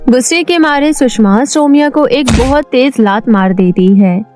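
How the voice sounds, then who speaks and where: High-voiced woman storybook narrator. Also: unhurried, soft background music. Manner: steady storytelling.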